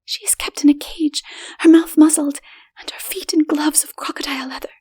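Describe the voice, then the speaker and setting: A female narrator plays a high-voiced, haughty but fearful woman in a dark fantasy storybook. The delivery is breathy and whispery, timid and trembling, with a snobbish streak. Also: fairly even intonation, fairly quick, lightly acted. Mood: hushed fear. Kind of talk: dramatic audiobook reading.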